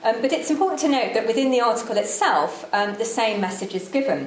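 A woman's voice: a little high, animated. Woman lecturing in an echoey room. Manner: measured, frequent ums, dry wit. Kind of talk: academic lecture with slides. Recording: echoey room with faint background noise.

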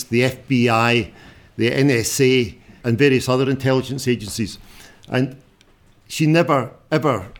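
A man in his sixties speaks with a broad, strong Scottish accent at a middling pitch. He is a journalist giving an unscripted public talk, and his delivery is informal, plain-spoken and somewhat halting. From Scotland. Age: 60s.

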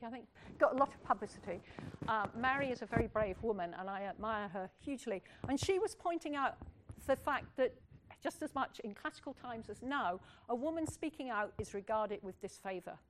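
A woman's voice: fairly high pitch, slight background noise. An older woman giving a candid, earnest public lecture, speaking plainly with frequent asides. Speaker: university lecturer.

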